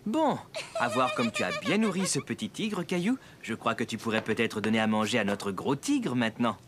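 An actor playing a patient, encouraging young father in a children's cartoon, gentle and reassuring with lively delivery. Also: mid-range voice, moderate pace, heavy background noise, close to an everyday voice. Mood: kindly.

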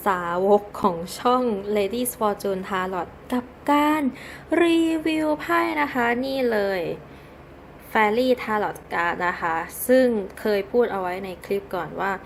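A woman's voice: medium pitch, takes it slowly, a little hiss or hum. A woman hosting her own tarot channel, reviewing a card deck in a casual, chatty and polite way. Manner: chatty and polite, with soft polite endings and small laughs.

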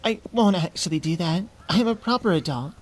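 A woman's voice: fairly low pitch, animated, fairly quick, a little hiss or hum, natural voice. A woman voicing an affectionate, teasing, easily flustered young centaur girlfriend in an intimate ASMR roleplay, sweet and conversational, close on the mic. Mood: sweet, cheerful. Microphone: close studio microphone.

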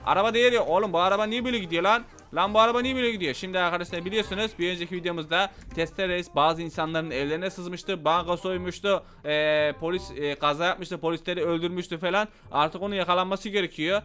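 High, bright-voiced excitable man gaming. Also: quick pace, hardly any pauses. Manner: loud, playful, shouts at game characters. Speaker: gaming channel host. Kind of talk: excitable gameplay commentary.

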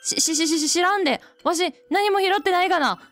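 A woman voicing a flustered, gruff older man who stammers in a Kansai accent. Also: high voice, animated, moderate pace, soft background music. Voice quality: stammering, blustering.

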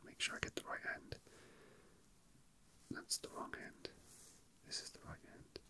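Breathy, unhurried whispering comes from a toy unboxing host who stays close to the microphone. It's a casual, soft ASMR murmur, as if they're talking to themselves.

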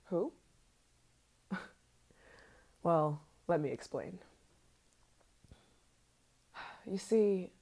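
A woman voicing an obsessive yandere scientist in an ASMR role-play, sweet and sinister, soft-spoken with hesitant pauses. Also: lowish voice. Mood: sweetly possessive.

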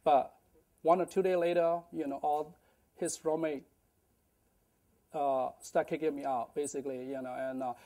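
Halting man, mellow voice. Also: fairly high pitch, steady tone. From Burma. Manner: halting, many fillers and restarts. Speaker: guest speaker. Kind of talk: lecture about life story. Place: large indoor kitchen. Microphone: lapel.

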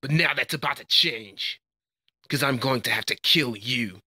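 A man's voice: medium pitch, unhurried, sharp tone, no echo, studio quality. A man voicing a cocky, brash young martial arts fighter from a video game, with a taunting, swaggering delivery. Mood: grim, defiant. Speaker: amateur voice actor. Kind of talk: character voice demo, video game fighter lines.

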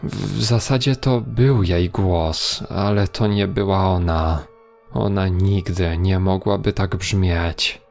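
A man reading a horror story in a measured, grave storytelling manner. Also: sits low, steady tone, creaky, darkish tone. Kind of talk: scripted horror narration. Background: faint music.

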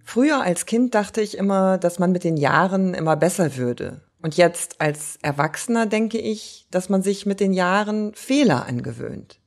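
Woman with a lively reading voice. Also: mid-range voice. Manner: lively, wry literary reading. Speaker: reader. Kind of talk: expressive reading of letters and diary entries.

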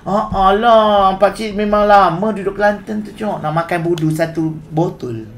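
A man's voice: high voice, normal speed, rough recording. A man with a Malaysian Malay accent hosting a gaming stream, teasing his teammates in casual banter. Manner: teasing, playful, calls others "Cok".

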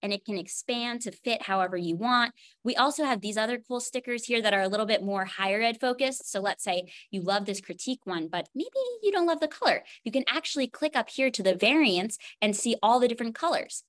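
A woman with a bright, fairly high voice shows off features in a cheerful, chatty way. She speaks over a webcam call. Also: fairly quick. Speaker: education team presenter. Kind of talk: live software demo.

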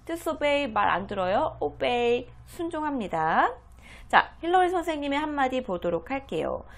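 A woman giving a home English lesson, explaining each phrase and repeating the English lines slowly. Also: high-pitched, sing-song. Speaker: English teacher for parents. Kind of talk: slow, deliberate language lesson.

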